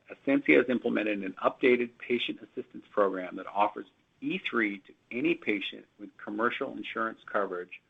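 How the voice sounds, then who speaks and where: A man, a company executive, reading prepared earnings call remarks in a steady, formal way with occasional slips, heard over dull lo-fi conference call audio. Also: fairly low pitch, vocal fry, husky.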